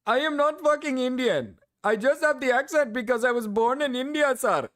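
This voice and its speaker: A man's voice: very high-pitched, moderate pace, a bit bright, voice pushed up. A man putting on a pleading, mock-earnest man who insists on his innocence in a whiny, insistent way.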